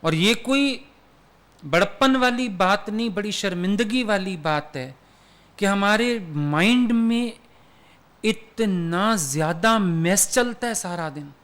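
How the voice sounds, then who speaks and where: A man's voice: high voice, expressive, slow pace, fairly bright tone. A man giving a satsang sermon as a spiritual teacher, talking in a conversational, teasing way and dropping English words into his speech.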